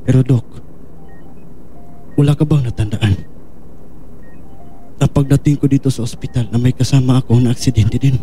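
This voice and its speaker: Audio drama: haunted amnesiac man played by a male actor, halting and anguished, mellow lightish voice, faint noise behind. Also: medium pitch, steady tone, lightly acted. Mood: remorseful, troubled. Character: troubled amnesiac man haunted by painful memories. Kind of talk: Filipino audio drama acting.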